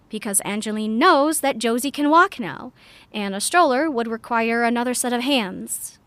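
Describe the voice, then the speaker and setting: A thoughtful young woman recording a guide to her emptied-out community for a sci-fi audio drama. Her voice sits on the high side, in a dry, close space. She talks conversationally and reflectively, with hesitant little asides. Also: a bit bright, no room sound. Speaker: narrator character. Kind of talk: audio drama monologue as a recorded walking tour.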